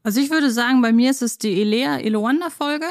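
A woman's voice: a little high, brisk. A woman hosting a podcast in a casual, conversational chat style. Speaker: podcast host.

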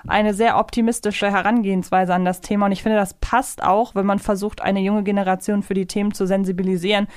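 Woman, mid-range pitch, podcast co-host, conversational review style, very dry recording. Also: little pitch movement, fairly quick, hardly any pauses, darkish tone, smooth, no echo. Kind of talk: conversational audio drama review.

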